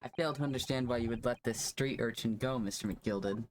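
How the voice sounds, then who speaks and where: A streamer voicing a haughty, formal courtroom lord from a game in a pompous, measured way. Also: medium pitch, slight background noise, lightly acted. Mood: scornful. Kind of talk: amateur game dialogue reading.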